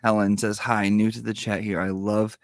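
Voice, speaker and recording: A man's voice: fairly low pitch, flat delivery, normal speed, no echo, clean studio sound. A man with whistling s sounds, chatting casually as a livestream host and reading out viewer messages.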